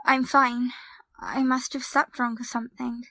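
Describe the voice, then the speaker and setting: Woman acting sarcastic sceptical young woman in an audio drama, really high bright voice, dry recording. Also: little pitch movement, measured pace, creaky, no room sound. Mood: strained. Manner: sarcastic, matter-of-fact.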